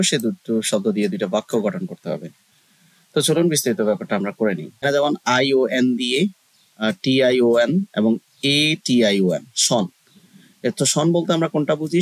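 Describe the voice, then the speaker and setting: A man's voice: mid-range voice, no echo, poor audio. A man giving a casual English lesson, explaining step by step with frequent hesitations. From Bangladesh. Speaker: online English tutor.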